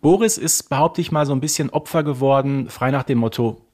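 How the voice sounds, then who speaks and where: A man's voice: medium pitch, a little fast, a little mellow. A man chatting casually as a podcast guest, making emphatic points and posing rhetorical questions as he explains. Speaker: podcast guest, audio drama collector.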